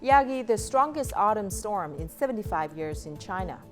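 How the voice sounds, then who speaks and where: A woman news anchor reading scripted news in a measured, formal way. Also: mid-range voice, animated, over loud music.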